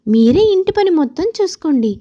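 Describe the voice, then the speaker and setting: A high, animated storybook daughter-in-law, played by a woman narrator, aggrieved and defiant. She argues and complains with a mellow tone, on a slightly muffled recording. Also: fairly quick. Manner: complaining, argumentative.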